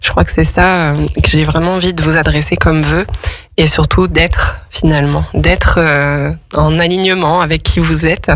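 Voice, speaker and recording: A woman hosting a casual radio interview, pausing often as she searches for her words. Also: sits low, fairly even intonation, no room sound. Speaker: radio host. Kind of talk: casual interview and chat on a parenting radio show.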